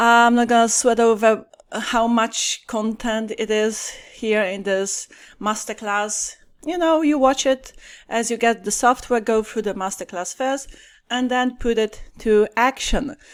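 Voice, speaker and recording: Here a woman talks with a Polish accent and a fairly high pitch. Her intonation is fairly even and her pace fairly slow, in a very clean recording with a silent background. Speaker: affiliate marketer reviewing software. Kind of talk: screen-share product review. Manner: casual, chatty with fillers.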